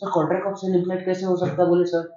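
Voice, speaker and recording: A high-voiced Indian man teaching law to a class, switching between Hindi and English as he quizzes his students. He drags out key definitions word by word. The sound is roomy and dull, caught from some way off the mic. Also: flat delivery, mellow. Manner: drills students with quick questions, slows right down for definitions. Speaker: law lecturer. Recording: echoey classroom, picked up from a distance, dull sound.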